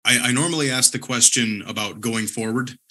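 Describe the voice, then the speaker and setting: A man hosting a church podcast, asking questions in a measured way with many pauses. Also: medium pitch, sharp tone. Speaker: podcast host. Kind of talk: casual podcast interview.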